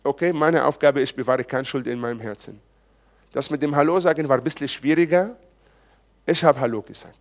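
A man's voice: mid-range voice, a little fast. A man preaching in church in a conversational way, asking the congregation questions. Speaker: pastor. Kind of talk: sermon. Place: church service.

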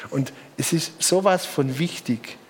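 A middle-aged male preacher speaks with a southern German accent in a fairly high voice. His delivery is informal and anecdotal, repeating key points for emphasis. The live recording carries noticeable background noise. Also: unhurried. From Bamberg, Germany. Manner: informal, conversational, emphatic repetition. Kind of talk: sermon with personal anecdotes.

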